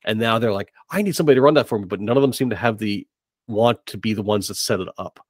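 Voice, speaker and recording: A middle-aged podcast host casually discusses tabletop gaming, hesitating and repeating words as he works out his thoughts. His voice is lowish and quick, captured in a dry, studio-quality recording.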